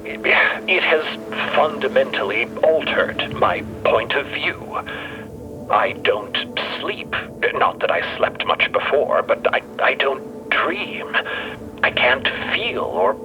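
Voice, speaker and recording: An actor playing a troubled, brooding scholarly explorer in an artificial undead body, speaking haltingly and theatrically in an audio drama. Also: male voice, mid-range voice, muffled recording. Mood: anguished, confiding.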